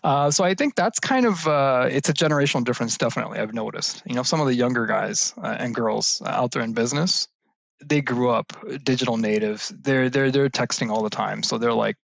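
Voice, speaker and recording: Man, gravelly voice, dry close sound, interview guest, animated storytelling, lots of fillers. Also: medium pitch, a little fast, dry recording. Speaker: guest, IT services business leader. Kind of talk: conversational interview answers.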